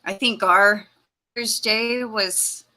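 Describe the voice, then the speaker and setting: A woman hosting a casual live-stream chat. She reads out viewer comments, laughs often and fumbles with the streaming software. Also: medium pitch, steady tone, slow. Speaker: host.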